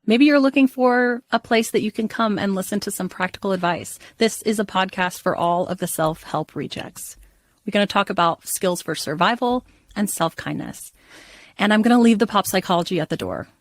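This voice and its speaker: A woman reads a promo in a plainspoken, reassuring tone at an ordinary pitch. The sound is close and dry, with no room around her. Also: normal speed, no room sound. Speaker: therapist and podcast host. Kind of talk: scripted podcast promo.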